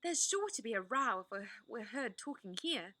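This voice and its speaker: A woman's voice: a little high, sing-song, moderate pace, sharp tone, no room sound, heavily acted. A woman doing a timid little girl.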